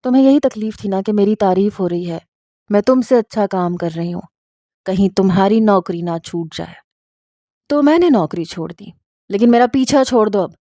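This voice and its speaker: A woman reading the lines of an angry young office worker, with scolding, sharp retorts. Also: mid-range voice, no room sound, studio quality, close to an everyday voice.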